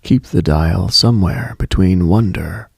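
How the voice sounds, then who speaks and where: Male late-night radio host, very husky, heavy vocal fry, hushed brooding monologue, contemplative. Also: low voice, a little slow, dry recording, studio quality.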